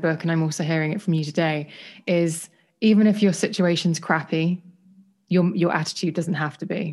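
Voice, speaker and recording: A woman with a British accent, fairly low in pitch, at a fairly quick pace against a quiet background. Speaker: podcast host. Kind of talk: casual interview. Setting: remote call.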